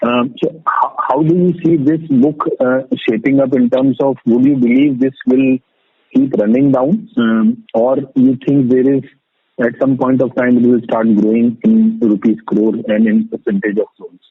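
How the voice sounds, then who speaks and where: A man's voice: mid-range voice, fairly even intonation, normal speed, husky, no room sound. A man with an Indian accent politely and tentatively asking questions as an analyst on a conference call. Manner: polite, tentative phrasing with tags like "right". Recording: dry, tinny phone line.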